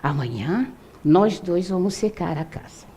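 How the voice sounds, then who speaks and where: A woman storyteller voicing a gentle, caring woman who pleads softly and tenderly with a boy in the story she retells. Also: on the low side, lively intonation, a little slow, slight background noise.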